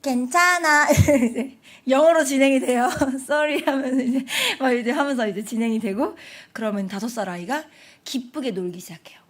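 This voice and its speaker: A woman's voice: a little high, brisk. A young woman preaching at a family prayer service, telling a story and acting out the voices of small children. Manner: animated, acts out children's voices.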